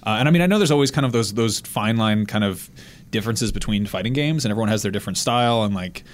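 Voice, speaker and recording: Quick, joking man in podcast banter. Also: fairly low pitch, lively intonation. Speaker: podcast panelist. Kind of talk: casual gaming podcast banter.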